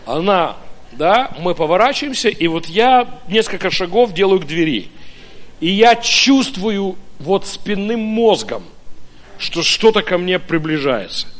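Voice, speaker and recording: A pastor from Ukraine preaching a sermon, telling his own story in an animated way with many hesitant fillers. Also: high-pitched, unhurried. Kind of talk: sermon with personal testimony.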